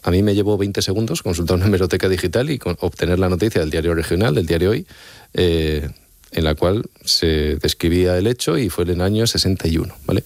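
A man's voice: sits low, brisk, darkish tone, dry recording. A man from Extremadura, an author being interviewed, explaining his research earnestly and often checking in with his listener. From Extremadura, Spain. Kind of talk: radio-style interview answers.

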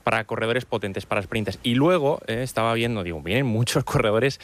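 A man from Spain with a mid-pitched voice analyses cycling live on the radio at a rapid pace. His delivery is conversational and explanatory, with emphatic repetitions. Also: expressive. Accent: Spanish from Spain.

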